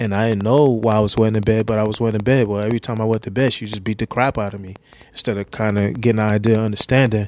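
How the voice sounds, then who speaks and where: A man's very fast, flat, monotone delivery in a New York accent, fairly low in pitch. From Long Island, New York. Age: 40s. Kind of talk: casual conversation.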